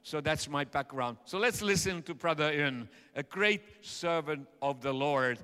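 A middle-aged man from Finland with a Finnish accent, preaching a sermon and interpreting in an earnest, halting way with many fillers. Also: fairly high pitch, expressive, sharp tone, clean tone. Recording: echoey hall.

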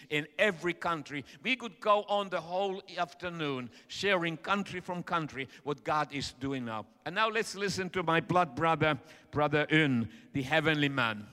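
A middle-aged man with a Finnish accent preaches in English, his voice high and bright. He is earnest and halting, with plenty of "uh"s. His voice rings out in an echoey hall. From Finland. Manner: earnest, halting with frequent fillers. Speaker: preacher and interpreter. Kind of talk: sermon.

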